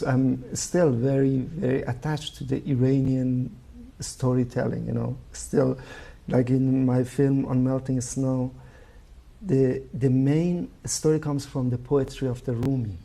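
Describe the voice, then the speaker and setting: A man from Iran speaks with a Persian accent in a very dark, gravelly voice that has a husky edge. He pauses often and muses his way through answers as an interview guest. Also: medium pitch, steady tone. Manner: thoughtful, halting, frequent uh fillers. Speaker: filmmaker guest.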